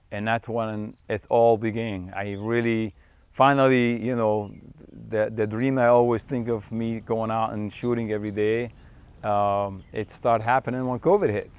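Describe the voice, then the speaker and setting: A middle-aged man from Syria, a wildlife photographer, talking in a reflective, unhurried way in a profile interview, with frequent fillers and restarts. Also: medium pitch, clear, resonant tone.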